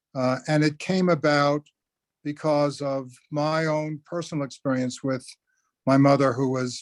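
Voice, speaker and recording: Delivered at a moderate pace in a New York accent, the speech has monotone, flat intonation and a dry, close sound with no echo. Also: man. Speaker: senior living company founder. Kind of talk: public meeting presentation. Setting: remote video meeting. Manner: halting, many fillers.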